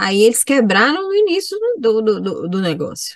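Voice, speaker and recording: Heard with a dry, close sound and no echo, a woman speaks in a normal speaking voice at fairly high pitch and a fairly slow pace. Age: 50s. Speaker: podcast host. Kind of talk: casual interview. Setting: studio.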